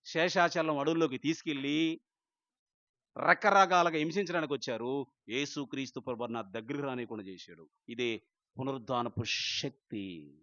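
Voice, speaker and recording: Fiery preacher man, bright and forceful. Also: normal speed, no echo, highs cut off. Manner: impassioned preaching, swinging from loud cries to low quiet lines. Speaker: pastor. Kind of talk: Easter sermon. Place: prayer house.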